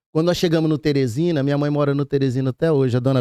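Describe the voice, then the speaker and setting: A man with a dark, mellow, medium-pitched voice speaks at a very fast pace. His intonation is fairly even, and the sound is dry and close with no echo. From Brazil, São Paulo state interior (Ilha Solteira). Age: 60s. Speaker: accountant. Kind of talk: podcast interview, personal life story.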